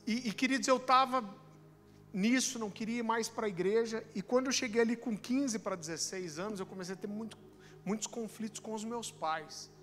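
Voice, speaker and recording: A man in his thirties with a Brazilian accent from Curitiba, preaching a sermon and telling a personal testimony in an animated storytelling way. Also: sits high, normal speed, long reverb tail. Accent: Brazilian Portuguese, Curitiba. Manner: animated storytelling, addresses listeners as brother. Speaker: pastor. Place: church auditorium.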